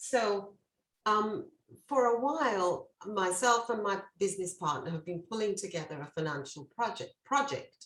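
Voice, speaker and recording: Lively intonation marks this woman's speech in an English accent. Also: medium pitch for a woman, moderate pace. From England. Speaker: lawyer, audience participant. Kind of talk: audience question in online masterclass. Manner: halting.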